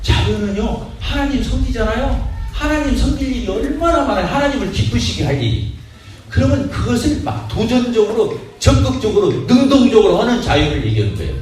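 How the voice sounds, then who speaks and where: A male pastor preaches with animated energy, firing rhetorical questions at his congregation. His voice sits high and swings widely in pitch. The recording is set far from him in a very echoey church hall. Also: a little fast, soft background music. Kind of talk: sermon. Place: church sanctuary.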